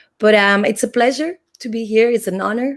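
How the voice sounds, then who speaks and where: Speaking with a non-native accent, a woman keeps her pitch variation ordinary. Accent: foreign. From Italy. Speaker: theatre artist. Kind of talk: panel talk. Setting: symposium panel.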